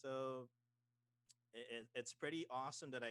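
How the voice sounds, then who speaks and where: The speaker has a non-native accent and fairly even intonation at a fairly quick pace. The sound is dry and close, with no echo. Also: man. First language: not English. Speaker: adventure writer, game designer. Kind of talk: casual interview on a live stream. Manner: halting, many fillers.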